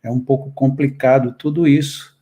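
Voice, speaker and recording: A man with a Brazilian Portuguese accent, co-hosting a live talk and reading viewers' comments aloud in a lively, playful way. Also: medium pitch, normal speed. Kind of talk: casual live chat.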